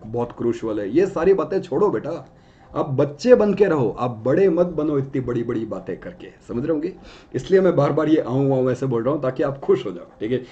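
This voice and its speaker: A man's voice: medium pitch, warm tone, dull audio. A man teaching chemistry in a casual, joking way, often checking in with his students. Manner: jokey, chatty, frequent check-ins with students.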